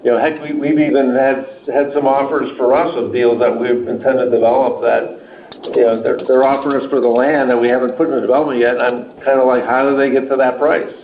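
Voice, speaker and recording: A man's voice: mid-range voice, fairly even intonation, fast, a little hiss or hum. Man on a roomy, muffled conference call. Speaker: company executive. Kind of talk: earnings call answers, off the cuff. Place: indoor room on a conference call.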